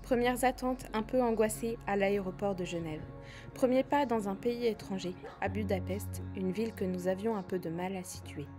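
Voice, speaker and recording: A woman's voice: medium pitch, normal speed, mellow. Teenage girl narrating over music. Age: teens. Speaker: student narrator. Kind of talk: scripted documentary narration. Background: background music.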